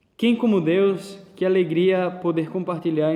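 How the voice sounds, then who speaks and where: The man speaks at a fairly slow pace. His intonation is monotone and flat. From Brazil, interior of Bahia. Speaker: seminarian and missionary. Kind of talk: testimony. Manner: halting, many fillers.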